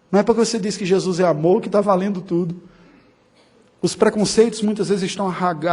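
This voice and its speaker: A Brazilian pastor delivers a steady expository sermon in a notably high voice, pressing his points home with emphasis. He slips in ironic asides and short chuckles along the way.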